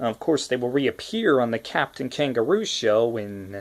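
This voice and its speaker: In a very clean recording with a silent background, a man with an unremarkable speaking voice talks at a moderate pace, medium pitch and ordinary pitch variation. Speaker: animation reviewer. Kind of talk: casual review talk to camera.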